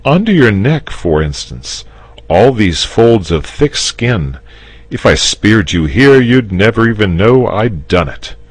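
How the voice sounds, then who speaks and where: A man's voice: on the low side, big pitch swings, slow pace, dry recording, voice pushed up, exaggerated voice. A man voicing a confident, patient knight in a storybook reading, raising his voice and coaxing. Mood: persuading. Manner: persuasive, patient.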